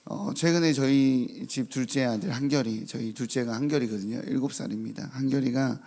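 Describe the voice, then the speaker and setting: Gravelly, husky male pastor preaching. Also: mid-range voice. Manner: slow, measured scripture reading, then relaxed anecdotal storytelling. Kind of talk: early-morning sermon. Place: church sanctuary with congregation.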